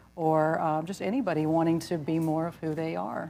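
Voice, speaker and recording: A woman with an American accent, a fairly low pitch and a dark, mellow tone, at a fairly quick pace, on a very clean recording with a silent background. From Oregon, US. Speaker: psychologist. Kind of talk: interview. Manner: fast.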